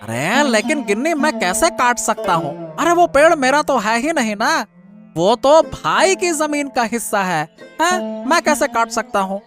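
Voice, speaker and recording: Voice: mid-range voice, sing-song, unhurried, music in the background. A voice actor playing a timid, worried village husband in a cartoon story, fretful and pleading. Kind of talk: cartoon voice acting.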